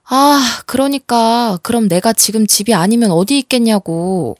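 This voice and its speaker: A woman's voice: on the high side, unhurried, dry recording, studio quality. A woman voicing a young wife on the phone who brushes off questions and snaps back when doubted, in a storybook reading. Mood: indignant.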